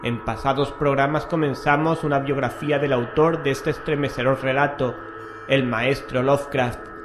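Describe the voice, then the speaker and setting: A male horror radio host from reads his scripted introductions. His pitch is average for a man, and music plays underneath. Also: steady tone, moderate pace. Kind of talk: scripted horror show presenting.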